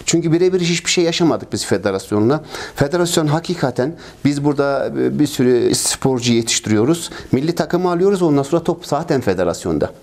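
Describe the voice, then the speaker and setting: A fairly high-pitched, expressive, slightly mellow voice comes quickly from a ski club president in his fifties. Seated indoors in his office among trophies and flags, he wears a lapel mic and answers interview questions earnestly, complaining at great length with frequent fillers and repeated phrases.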